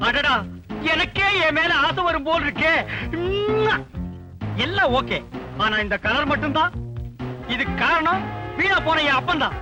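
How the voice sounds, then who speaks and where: A pompous fake head constable. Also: male voice, very high voice, lively intonation, a little slow, pauses often, music in the background. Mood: vain. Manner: pompous, mixing in broken English. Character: vain, boastful village man posing as a head constable. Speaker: comic actor in a film scene. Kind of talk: film comedy dialogue.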